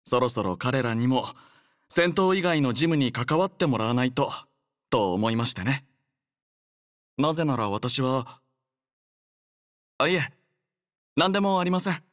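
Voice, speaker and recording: A man voicing a courteous, earnest young android soldier in an anime game, speaking in a polite, formal, measured manner. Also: medium pitch, animated, dry recording, clean studio sound, natural voice. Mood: considerate, composed. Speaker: game character voice. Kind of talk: scripted anime game voice lines.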